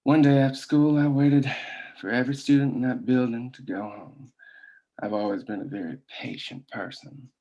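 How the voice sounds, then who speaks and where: An actor playing a patient, self-assured and menacing company owner in a script table read, telling his story in a measured, deliberate way. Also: mid-range voice, fairly even intonation, dark tone, lo-fi sound, lightly acted. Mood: smug, deliberate.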